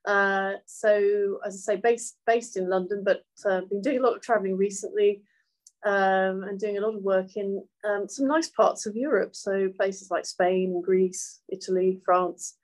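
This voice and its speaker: A woman's voice: mid-range voice, fairly even intonation, unhurried, poor audio. A middle-aged woman who grew up in Hong Kong, talking thoughtfully in a casual interview, with many ums and uhs. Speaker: guest, hotel valuation executive.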